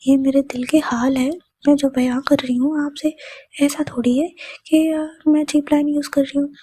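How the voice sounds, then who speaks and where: Woman narrator doing a cheeky student: high, breathy, flat delivery. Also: moderate pace, close to an everyday voice. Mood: teasing. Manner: teasing, dramatic.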